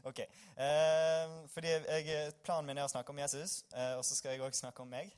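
A tired young preacher, short on sleep, gives an informal sermon in a church hall, reading scripture aloud and joking with the congregation in a self-deprecating, chatty way. His voice sits on the high side, smooth and level with a darkish tone.

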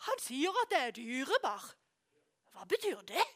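A woman's voice: high voice, sing-song, a bit bright. A woman voicing a newly converted grown man who answers simply, with wonder and eagerness.

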